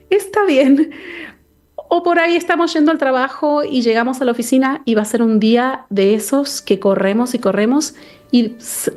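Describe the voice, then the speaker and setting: A woman with an Argentine accent speaks as an author guest on a radio interview, earnest and reflective, often repeating words as she gathers her thoughts. Her voice sits a little high, and faint music plays under her. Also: darkish tone. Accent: Argentine Spanish. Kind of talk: radio interview by remote call. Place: home or office in England.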